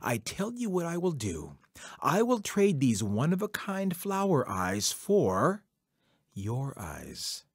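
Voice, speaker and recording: Man putting on a high, whining trickster coyote. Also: huge pitch swings, takes it slowly, slightly rough, no room sound, clean studio sound, heavily acted. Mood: sly boasting. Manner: whining, pleading, stammering. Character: vain, wheedling trickster male coyote, panicky and scheming.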